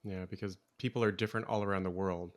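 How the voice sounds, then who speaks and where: A man hosting a podcast, reading a short scripted intro and then asking casual interview questions in a measured way. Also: low-pitched, steady tone. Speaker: podcast host.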